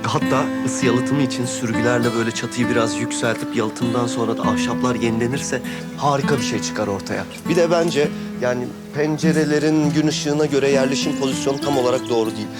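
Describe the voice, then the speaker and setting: Man playing a gentle young architect, soft-spoken, rambling, mid-pitched, loud guitar music behind. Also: a little fast, close to an everyday voice. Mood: enthusiastic. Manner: soft-spoken, rambles with enthusiasm, self-conscious. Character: gentle young male architect-turned-rose-grower, talkative. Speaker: actor in a TV drama.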